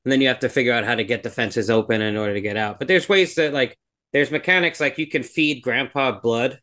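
A man's voice: mid-range voice, fairly quick, a bit bright. A man co-hosting a podcast in casual chat, rambling loosely and swearing now and then. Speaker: podcast co-host.

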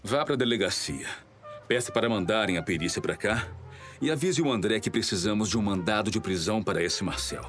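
An actor playing a determined, daring male police detective in an audio drama, with a grave, deliberate delivery. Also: on the low side, expressive, a bit bright, soft background music. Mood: serious, focused.

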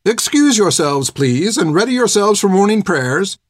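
A polite, formal senior nun, as a male narrator puts her on with a voice raised well above his own. She gives courteous orders in slow, measured words. The recording is dry. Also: high voice, big pitch swings, dry recording, voice pushed up.

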